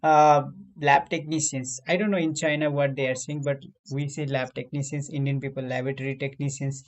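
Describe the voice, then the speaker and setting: A man with a South Asian accent chatting casually in halting English, repeating phrases as he goes. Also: mid-range voice, little pitch movement. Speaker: medical lab technician. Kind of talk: casual language-practice chat.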